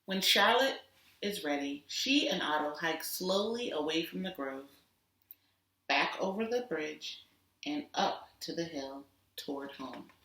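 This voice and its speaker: A woman teacher giving an expressive storybook read-aloud for children, deliberate and with dramatic emphasis. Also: low-pitched. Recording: roomy echo, distant microphone.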